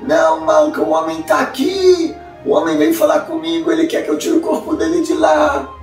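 Brief: storyteller doing a panicked man yelling for help, pitched way up, faint music. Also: steady tone, moderate pace, creaky. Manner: crying out in panic. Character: terrified middle-aged gravedigger, panicking. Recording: roomy, distant mic, faint music.

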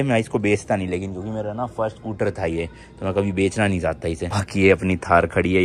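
A young man from India vlogging casually to a handheld camera, chatty and upbeat, talking to viewers outdoors on a city street and from his car. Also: sits low. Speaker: travel vlogger. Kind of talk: casual vlog chat to camera. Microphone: handheld camera at arm's length.

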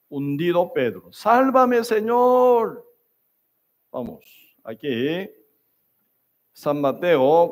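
A man preaching a sermon in short, emphatic phrases, often checking with the congregation with quick questions. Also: on the high side, a little mellow. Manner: keeps asking the congregation "¿verdad?" and "¿sí o no?".

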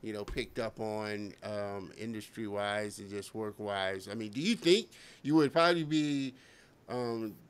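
A man's voice: on the low side, a little slow, smooth. Enthusiastic man hosting a live interview. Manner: enthusiastic, repeats words warmly. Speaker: host. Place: home studio with colorful lighting. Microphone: studio mic on boom arm.

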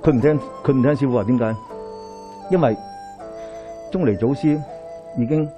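A middle-aged man with a Hong Kong Cantonese accent, a Daoist priest giving a lecture to a live audience, telling stories with lively rhetorical questions as he moves about. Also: mid-range voice, normal speed, faint music behind. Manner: animated storytelling with rhetorical questions, pacing while gesturing. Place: small lecture hall indoors, in front of a screen.

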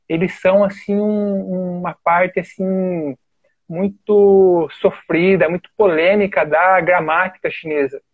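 A man's voice: high-pitched, slightly rough, no echo. A Brazilian man teaching an online lesson on Chinese characters, explaining step by step and pointing things out on screen with a frequent "né?". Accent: Brazilian Portuguese. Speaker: study group teacher. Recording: tinny phone-like online call audio.

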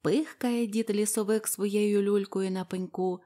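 A woman narrating a storybook fairy tale in a gentle, unhurried manner. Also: mid-range voice, steady tone.

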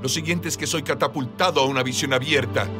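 A man's voice: medium pitch, fairly even intonation, quick pace. A man giving an earnest, emphatic testimony as a guest in a dubbed interview, recorded as a studio voice-over with music underneath. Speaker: guest telling of a vision.

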